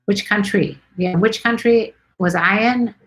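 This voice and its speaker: A woman's voice: mid-range voice, measured pace, fairly bright tone, poor audio. A middle-aged woman from Chicago hosts a live stream, chatting casually and rambling with lots of ums as she reads viewer comments. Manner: chatty, rambling, many ums and let's sees.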